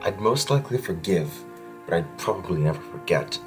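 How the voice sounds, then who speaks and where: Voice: low voice, expressive, brisk, music in the background. An actor in an audio drama playing a loyal, stubborn royal subject with a firm, earnest delivery. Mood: earnest, resolute.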